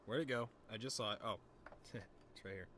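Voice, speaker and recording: A man's voice: on the low side, moderate pace, a bit bright, slight background noise. Rambling young man with a lisp. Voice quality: lisp and stutter. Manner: rambling, swearing, loose and jokey. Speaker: streamer. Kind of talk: casual stoner vlog chat.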